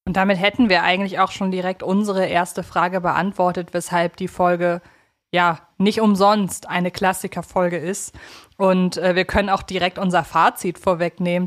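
A woman hosting a podcast in a conversational style. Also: mid-range voice. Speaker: podcast host.

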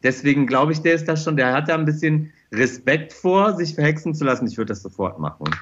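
A man's voice: a little high, animated, brisk, fairly bright tone, dull audio. A middle-aged man speaking as a guest in a casual podcast interview, chatty and often repeating his phrases. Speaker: interview guest, fashion designer.

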